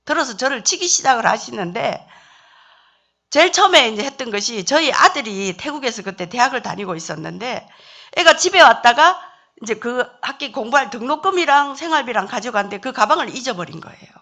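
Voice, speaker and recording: A woman's voice: fairly high pitch, lively intonation, brisk, pushed and bright. A middle-aged woman, a missionary's wife, telling her story at a church service and acting out her prayers with emotion. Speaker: missionary wife giving testimony. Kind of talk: church testimony.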